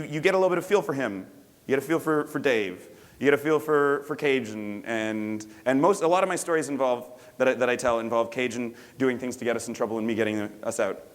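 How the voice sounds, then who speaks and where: Male coach, mid pitch, loose self-correcting delivery, long hall reverb. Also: a bit bright. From Canada. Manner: rambling, self-correcting, casual. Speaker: dating coach. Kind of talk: teaching with a personal anecdote.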